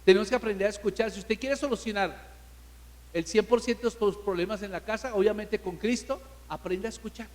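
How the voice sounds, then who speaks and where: A man with a notably high voice preaches to his congregation in a church hall. He is emphatic and keeps firing rhetorical questions at the listeners. His voice rings with a long hall reverb. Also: a little fast. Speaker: pastor. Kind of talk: sermon.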